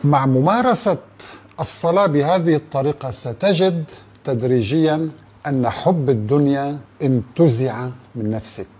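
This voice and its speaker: A man's voice: on the high side, normal speed, darkish tone, breathy edge. A man giving a religious talk in an earnest way, asking rhetorical questions and speaking straight to the listener.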